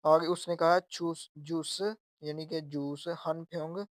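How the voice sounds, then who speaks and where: A man's voice: on the high side, level tone, slow, no echo. A man teaching Korean, patiently explaining phrases word by word. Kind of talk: explaining Korean exam lessons.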